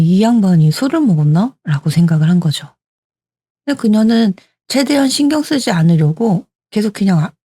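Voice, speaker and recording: A woman's voice: medium pitch, mellow, slightly rough, dry recording. A woman in her forties telling a story in a conversational, dramatic way into a studio microphone at home. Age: 40s. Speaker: storyteller host. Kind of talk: told story narration.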